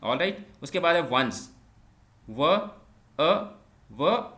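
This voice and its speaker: Bright-voiced male English tutor. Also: fairly high pitch, sing-song. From Pakistan. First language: Punjabi. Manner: sounds words out slowly, repeating each one many times. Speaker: English teacher. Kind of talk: online exam-prep lecture.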